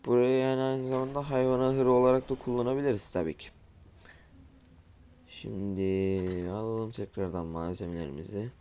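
A man's voice: on the low side, little pitch movement, moderate pace, warm tone, slight background noise. A man giving casual let's-play commentary at home, just woken up and groggy, muttering to himself while he builds and tossing asides to viewers. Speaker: gamer streaming his play.

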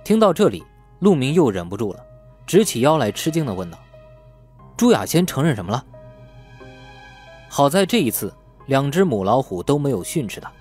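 A man's voice: mid-range voice, very animated, fairly quick, a little mellow, faint music behind. A man narrating a novel in a scripted audiobook style.

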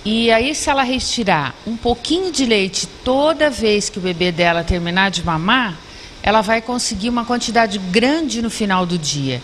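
A woman's voice: mid-range voice, lively intonation, normal speed, fairly bright tone. A woman in her fifties giving an explanatory news interview indoors into a handheld mic. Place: indoor lab room. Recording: reverberant room, faint background noise.

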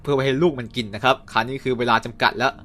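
A young man casually recapping and reviewing a cartoon episode, chatty with quick asides. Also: medium pitch, steady tone, pushed and bright.

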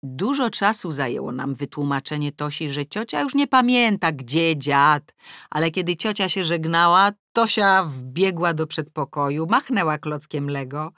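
A woman narrating an audiobook in the first person with a wry, ironic delivery and lively pitch swings, close to the mic. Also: normal speed, no room sound. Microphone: close studio mic.

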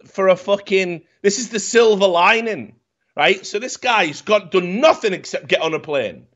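Man, thirties, sweary storyteller, highish voice, muffled stream audio. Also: normal speed. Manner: profane, animated storytelling, gets loud when worked up. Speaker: podcast host. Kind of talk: casual chat. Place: home room, indoors. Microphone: headset with desk mic.

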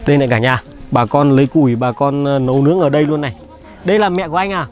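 A man's voice: medium pitch, racing, a little mellow. A young man vlogging on a village visit, chatty and caring, talking straight to his viewers. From Vietnam. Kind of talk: casual vlog chat.

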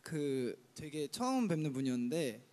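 A man's voice: on the high side, big pitch swings, normal speed, a little mellow. A man in his twenties, an idol guest, telling rambling anecdotes in casual talk on stage with a handheld mic. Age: 20s. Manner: rambling storyteller, laughs often. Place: large concert hall stage. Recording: live hall reverb.

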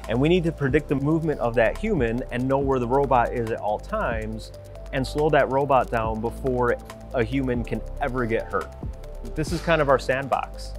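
Man explaining safety on a factory floor. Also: mid-range voice. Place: large factory floor indoors. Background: background music.

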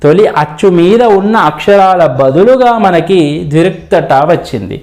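A man's voice: high voice, lively intonation, moderate pace, darkish tone. A male teacher explaining a grammar rule step by step, asking questions and answering them himself.

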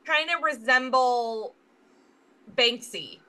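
A woman's voice: on the high side, slow pace, bright, forceful tone. A woman co-hosting a podcast, chatting casually and with enthusiasm about films. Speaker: podcast co-host. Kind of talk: casual chat.

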